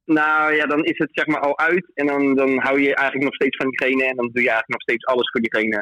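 A man's voice: mid-range voice, level tone, quick pace, pushed and bright, dry recording, rough recording. Hesitant man calling in to a radio show. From Netherlands. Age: 30s. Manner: hesitant, many filler sounds. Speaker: caller. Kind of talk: radio show caller on the line.

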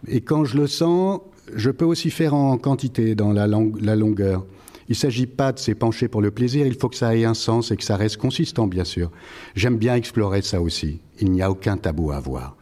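A man reading aloud a wry prose piece to an audience, in a measured way. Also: on the low side, warm tone. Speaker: author reading and answering.

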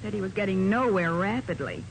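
A loyal, attentive detective's assistant in a vintage radio crime play. She questions with concern in a mid-range voice, under clearly audible recording noise. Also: medium pitch, big pitch swings, a little fast. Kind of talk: 1940s radio drama acting. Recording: noisy 1940s radio recording.

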